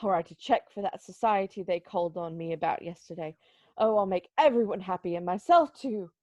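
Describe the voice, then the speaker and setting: A woman's voice: lowish voice, a little fast, a little mellow, no room sound, highs cut off, lightly acted. A woman playing an old male miser, giddily reformed and penitent, in an amateur dramatic reading full of exclamations. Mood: generous cheer. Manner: exclamatory, effusive.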